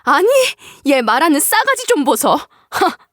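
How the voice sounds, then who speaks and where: A woman's voice: high voice, very animated, a little slow, fairly bright tone, no echo, studio quality, voice pushed up, full character voice. A woman voicing a scornful older woman doctor who scolds and belittles her daughter-in-law in a dramatized story reading. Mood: outraged. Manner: sneering, scolding, contemptuous.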